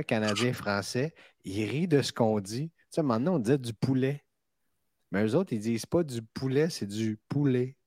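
A man's voice: medium pitch, darkish tone. A man with a Québécois accent co-hosting a podcast in casual chat. He sounds tired and jokes around, laughing at his own jokes. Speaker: podcast co-host.

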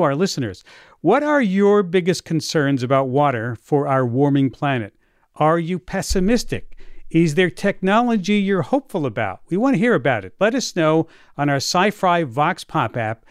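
Lively male radio host, dry sound. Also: on the high side, smooth, no echo. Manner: animated, lively intonation. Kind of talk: public radio science talk.

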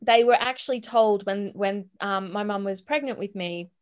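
A woman's voice: medium pitch, normal speed, smooth. A woman in her forties with an Australian accent, a chatty guest on a remote interview who laughs often and restarts her sentences. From Sydney, Australia. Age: 40s. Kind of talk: conversational interview.

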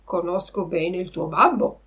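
A woman voicing a sly, smooth-talking lame male fox who coaxes the puppet. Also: lowish voice, unhurried, fairly bright tone, distant mic. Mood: wheedling.

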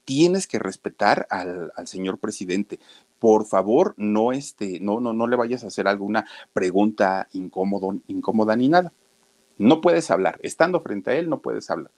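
A man's voice: fairly low pitch, animated, moderate pace, darkish tone. A man voicing a stern, fretful Mexican mother who scolds her son with a Mexican accent. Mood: scolding. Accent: Mexican Spanish. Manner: bossy, repeated no's.

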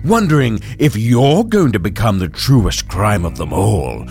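An excitable, theatrical producer, whose pitch leaps all over as he seizes on ideas. He slips into a grand movie-trailer narration. Faint music sits behind him in this audio drama. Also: unhurried. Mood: announcer-like.

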